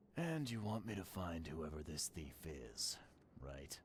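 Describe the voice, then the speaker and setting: A put-on character voice, raspy and deadpan, with lively intonation at a fairly slow pace. Clear background noise sits behind it. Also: man, very deep, low pitch for a man. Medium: video game. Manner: dry, deadpan.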